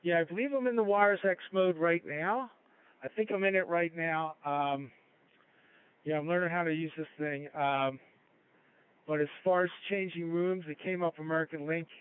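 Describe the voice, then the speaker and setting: A man's voice: fairly high pitch, normal speed, clear, resonant tone, dry recording. A man chatting casually as a novice amateur radio operator, heard over a two-way digital radio. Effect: two-way digital radio transmission. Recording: dry, muffled digital radio audio.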